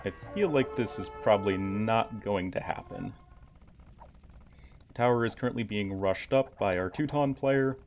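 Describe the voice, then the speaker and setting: A young man casually commentating a strategy game on his live stream, chatting with his viewers. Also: mid-range voice. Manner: casual, chatty, reacts to chat. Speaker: game caster.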